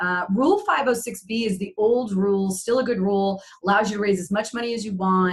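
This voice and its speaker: Somewhat breathy, a woman's medium-pitched voice holds a fairly even intonation. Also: fairly quick pace. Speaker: securities lawyer presenting a webinar. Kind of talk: presentation / webinar. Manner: fast; hesitant fillers.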